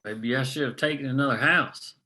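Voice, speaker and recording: Guy reading as blunt folksy union man, urgent, drama script, sharp forceful voice. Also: medium pitch, fairly quick. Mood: urgent, wry. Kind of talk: screenplay table read.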